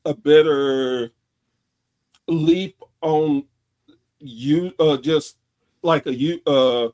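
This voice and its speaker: A man hosting a podcast interview, asking questions in a halting way with many pauses. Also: on the high side, darkish tone. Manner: halting, many fillers and restarts. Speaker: podcast host. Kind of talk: casual interview talk.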